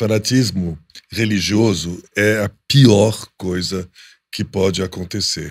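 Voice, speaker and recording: Speaking at a very slow pace, a man uses a fairly low pitch. His pitch varies in an ordinary way. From Lebanon. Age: 70s. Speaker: theatre and opera director. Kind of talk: interview.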